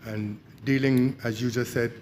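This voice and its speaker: A man's voice: medium pitch, steady tone, a little slow, darkish tone, slight background noise. An older man from Barbados, raising points hesitantly at a community meeting. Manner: hesitant, many fillers. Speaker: audience member. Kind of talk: public consultation comments.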